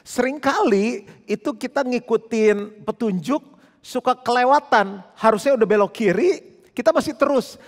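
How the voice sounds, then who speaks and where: High-voiced male pastor in an echoing hall. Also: normal speed. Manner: conversational, animated preaching with playful impressions. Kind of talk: sermon. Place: church hall. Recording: long church hall reverb.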